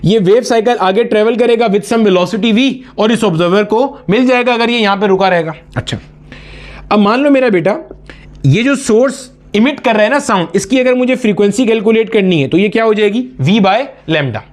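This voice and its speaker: A man's voice: sits high, brisk. A man teaches a physics exam-prep lecture. He explains each step, asks the class questions and answers them himself. He calls his students "beta" in a familiar, fatherly way.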